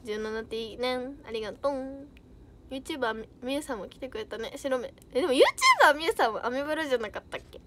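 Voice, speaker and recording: Bubbly high-voiced young woman streamer. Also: sing-song, a little fast, background noise. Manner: bubbly, giggly, chatty. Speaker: idol livestreamer. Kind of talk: casual livestream chat reading viewer comments.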